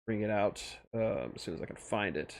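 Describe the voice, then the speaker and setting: Halting man presenting on a casual livestream. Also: lowish voice, animated. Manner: halting, often repeating and restarting phrases. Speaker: streamer presenting own original fan fiction characters. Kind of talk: casual livestream commentary on character lore.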